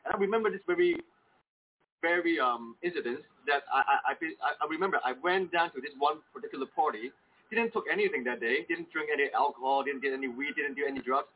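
Cantonese-accented man, halting testimony. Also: on the high side. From Hong Kong. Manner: halting, many restarts and repeated words. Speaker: interview guest. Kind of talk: personal testimony in an interview. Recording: tinny phone-like sound with faint noise.

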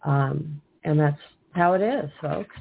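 A woman's voice: low voice, slow pace, gravelly, slightly rough. A woman co-hosting a casual call-in radio show, with a stuffed-up, nasal voice as if her nose is blocked. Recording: tinny phone-like line, faint hiss.

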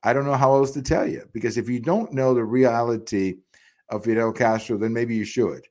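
Middle-aged man, mid-pitched voice, solo political podcast host, indignant, repeats himself, lots of uh's. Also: fairly even intonation, moderate pace, darkish tone. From Cuba. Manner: indignant, repetitive, many fillers and restarts. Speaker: podcast commentator. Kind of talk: political commentary monologue.

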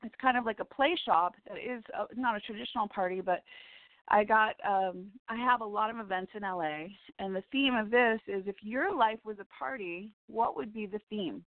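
A woman hosts a spiritual call-in show in a scratchy, hoarse voice, talking in a rambling, heartfelt way and breaking into small laughs. She comes through a tinny phone line with a dry, close sound and no room around her. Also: mid-range voice, normal speed, no room sound. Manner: chatty and heartfelt, with little laughs and restarts. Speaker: radio show host and psychic reader. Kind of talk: rambling spiritual radio monologue.

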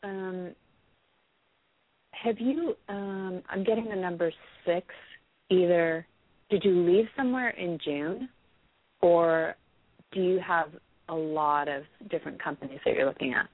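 A hoarse woman with a cold, giving a psychic reading to a caller, hesitant with many ums before firm predictions. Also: fairly low pitch, measured pace, long pauses, no echo. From United States. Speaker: psychic reader. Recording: dry, phone-quality sound.

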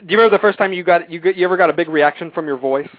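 A man hosting an interview, asking questions in a brisk, chatty, self-deprecating way. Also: sits high, dry recording. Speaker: host. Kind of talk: interview questions, casual chat. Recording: dry phone-line sound.

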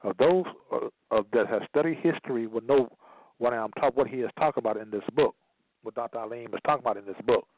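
A man's voice: medium pitch, fast talker. A man giving an emphatic lecture, partly reading aloud and repeating phrases for stress. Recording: tinny phone-like line, dry.

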